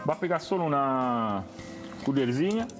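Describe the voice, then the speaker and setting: A man from Tuscany with an Italian accent, whose first language is Italian, explaining a recipe calmly as a guest chef in halting Portuguese. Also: medium pitch. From Tuscany, Italy. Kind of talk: cooking demonstration on TV. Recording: TV studio with background music.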